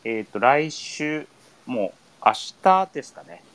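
A man hosting a casual radio chat, easygoing and filling pauses with many hesitation sounds. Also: a little high, lively intonation, fairly bright tone. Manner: easygoing, leads with many fillers. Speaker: radio show host.

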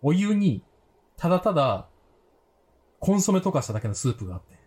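A middle-aged man with a Kansai accent, co-hosting a radio show and telling a rambling anecdote in a relaxed way, full of fillers. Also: a little high, a little fast, a little hiss or hum. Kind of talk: casual banter and storytelling.

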